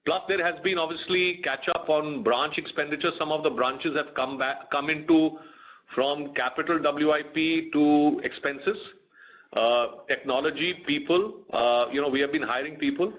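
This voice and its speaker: A man with an Indian accent answering questions as a bank executive on an earnings call, in a measured, explanatory way. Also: on the high side. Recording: muffled conference call audio.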